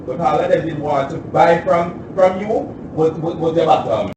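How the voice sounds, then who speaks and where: An actor with a Jamaican accent playing a sharp-tongued young trans woman in a stage play, mocking and biting. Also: fairly high pitch, normal speed, close to an everyday voice. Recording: distant echoey stage recording with noise.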